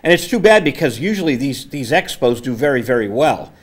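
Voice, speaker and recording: A man hosting a casual studio interview, speaking with a naturally loud, conversational voice into a microphone set on the table. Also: mid-range voice, big pitch swings, a little fast. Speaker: host. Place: community access TV studio.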